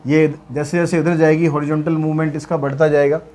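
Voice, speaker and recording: Man, maths teacher, step-by-step explanation, chatty, slightly high voice. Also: level tone, a little mellow, a little hiss or hum. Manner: chatty, asks and answers his own questions, mixes English phrases into explanation; reads English problem text slowly and deliberately.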